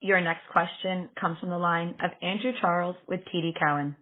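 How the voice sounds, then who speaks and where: A woman's voice: lowish voice, steady tone, moderate pace. A woman working as a conference call operator, making formal, scripted announcements. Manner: formal, procedural. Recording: narrow phone-line sound.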